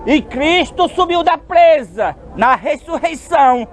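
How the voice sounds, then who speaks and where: A man from Brazil with a Brazilian Portuguese accent, preaching a sermon outdoors on a city street, slow and emphatic, with sudden shouted stresses. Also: extremely high pitch, expressive.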